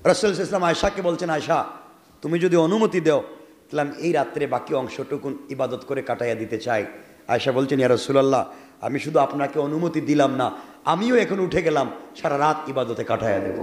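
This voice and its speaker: A man with a Bangladeshi Bengali accent preaching a storytelling sermon, calling out to the crowd and rising into loud cries. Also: a little high, lively intonation, quick pace. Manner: calls out to the audience, swings to loud cries. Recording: echoey hall with long reverb.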